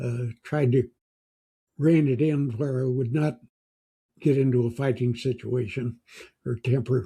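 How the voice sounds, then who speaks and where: A man with an American accent, medium pitch and a dark, mellow, somewhat breathy tone, at a fairly slow pace with monotone, flat intonation and long, frequent pauses. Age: 90s. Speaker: retired business owner. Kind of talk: interview. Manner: halting.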